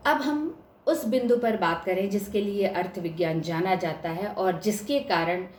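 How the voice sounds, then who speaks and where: A woman's voice: mid-range voice, a little slow. Woman lecturing in an echoey room. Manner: explanatory, stresses words to show examples. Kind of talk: academic lecture. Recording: echoey room with faint hiss.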